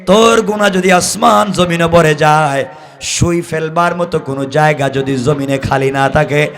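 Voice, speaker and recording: Male Islamic preacher, high bright voice, exclamatory and dramatic storytelling delivery. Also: measured pace. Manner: exclamatory, calls on listeners to respond and pay attention. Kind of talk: impassioned sermon with dramatic storytelling and melodic scripture recitation.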